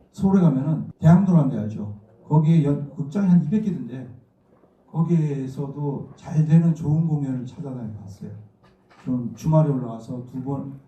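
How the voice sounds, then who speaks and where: Recorded by a distant mic in a muffled, echoey lecture room, a middle-aged man delivers a casual, story-filled talk about his life as a stage actor, performing remembered lines of dialogue. He is from Daegu, South Korea, speaks with its accent, and has a fairly high, dark-toned voice.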